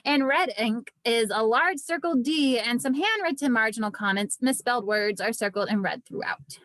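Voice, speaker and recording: Higher-voiced woman narrator, dry sound. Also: expressive, moderate pace, fairly bright tone, dry recording. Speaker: narrator reading stage directions. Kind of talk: scripted narration.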